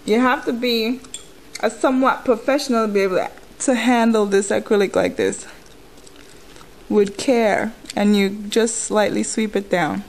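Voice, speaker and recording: A woman's voice: a little high, normal speed, rough recording. A woman chewing gum while she talks, giving an informal, step-by-step nail tutorial in a conversational way. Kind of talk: casual hands-on tutorial talk.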